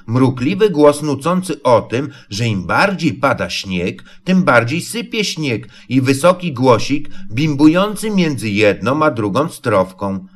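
A man narrating a storybook in a slow, gentle, unhurried reading. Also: medium pitch.

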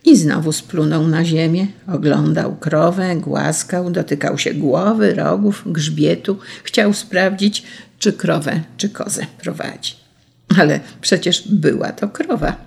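A storyteller telling an old folk tale in a steady, measured way. The voice is gravelly, with a husky edge. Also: mid-range voice.

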